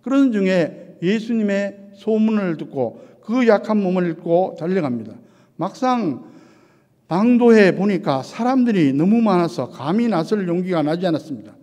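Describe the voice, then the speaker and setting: A man preaching an earnest sermon as pastor, his delivery moving from quiet to shouted lines. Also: sits high, lively intonation, moderate pace. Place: church sanctuary. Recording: long church reverb.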